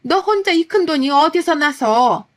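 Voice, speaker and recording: Woman putting on a shrill, bossy old mother-in-law. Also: lively intonation, normal speed. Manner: shrill, scolding, indignant.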